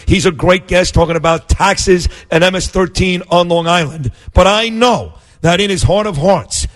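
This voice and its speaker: A man with a New York accent co-hosting a morning radio show in lively talk. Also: a little high.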